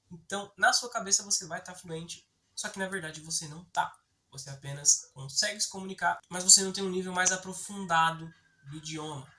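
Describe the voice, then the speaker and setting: A man's voice: high voice, pushed and bright. A man with a Brazilian Portuguese accent, explaining in a chatty way for an English-learning video and often checking in with the viewer. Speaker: English teaching YouTuber.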